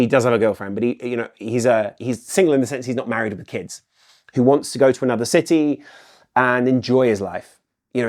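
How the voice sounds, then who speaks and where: A man's voice: medium pitch, darkish tone. A middle-aged man from England, hosting a solo football commentary video, earnest and repetitive, leaning on "ultimately". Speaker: football channel host.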